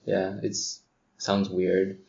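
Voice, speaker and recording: A man who grew up in Pakistan, a podcast guest, answering in a hesitant, soft-spoken way. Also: deep voice, completely flat delivery, extremely slow, creaky. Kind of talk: casual interview answer. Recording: roomy, lo-fi recording.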